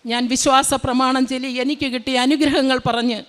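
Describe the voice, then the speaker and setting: A woman's voice: high voice, fairly even intonation, a little fast, fairly bright tone. A middle-aged woman from Kerala giving an earnest religious testimony at a prayer centre, retelling her story and quoting others' words. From Kerala, India. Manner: earnest, repetitive storytelling with quoted dialogue.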